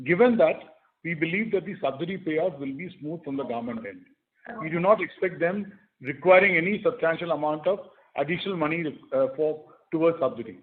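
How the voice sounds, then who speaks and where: A man with an Indian accent, a company executive giving measured, structured and formal answers on an investor call. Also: on the high side. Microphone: telephone conference line. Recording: narrow phone-line conference audio.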